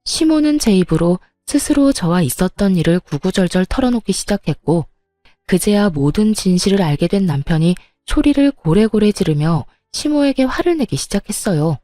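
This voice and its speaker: Warm-voiced woman narrating a story. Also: mid-range voice, animated, normal speed, dry recording, clean studio sound, soft background music. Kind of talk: first-person story narration.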